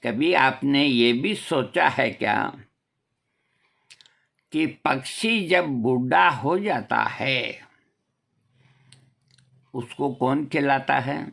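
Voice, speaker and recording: A man's voice: mid-range voice, lively intonation, extremely slow, gravelly, pauses often, fairly bright tone. An older man giving a preachy, scolding talk with rhetorical questions, as a homeopathy vlogger. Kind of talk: moral talk to camera.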